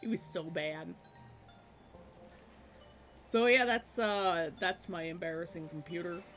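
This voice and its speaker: A woman streaming a game from her room at home, chatting casually with many fillers and a slightly hoarse voice from a cough. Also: on the low side, slow, fairly bright tone, faint music behind. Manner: chatty, rambling with many fillers, laughs often. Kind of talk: casual chat while gaming.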